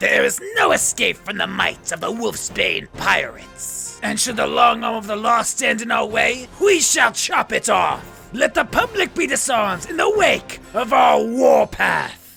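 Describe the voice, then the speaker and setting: Clear music plays in the background. The speaker uses a put-on character voice. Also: moderate pace. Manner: theatrical, grandiose.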